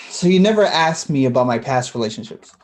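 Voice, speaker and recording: A man's voice: mid-range voice, lively intonation, brisk, darkish tone, close to an everyday voice, low-quality recording. A man playing a shy, inexperienced, tender gay man in a staged play reading, searching hesitantly for his words. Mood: nervous, confessional.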